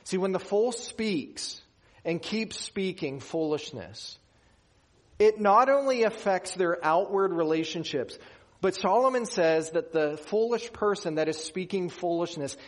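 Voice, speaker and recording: Slow, deliberate male preacher. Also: a little high, lively intonation. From Western Pennsylvania. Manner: earnest, emphatic preaching with slow deliberate pauses. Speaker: pastor. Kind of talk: sermon.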